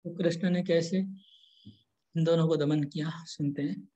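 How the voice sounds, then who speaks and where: A man giving a scripture lecture, explaining slowly in short pieces with restarts, and chanting verses. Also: on the high side, fairly even intonation, warm tone, low-quality recording. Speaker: spiritual lecturer.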